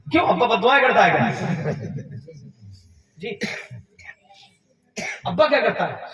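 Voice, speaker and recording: A man preaching an impassioned sermon to a gathering, telling stories and often rising to a shout. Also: very high-pitched, lo-fi sound. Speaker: Islamic preacher. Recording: echoey hall from far off.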